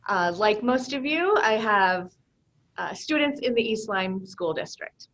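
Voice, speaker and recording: A woman's voice: medium pitch, lively intonation, a little slow, fairly bright tone. A woman from the Midwest who teaches language, walking parents through the seventh grade year in an organized way. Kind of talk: back-to-school night presentation.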